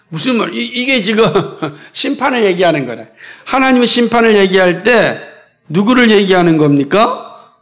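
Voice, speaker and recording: High-voiced pastor preaching with emphasis. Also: male voice. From South Korea. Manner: emphatic, poses repeated questions to the congregation. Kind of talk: sermon.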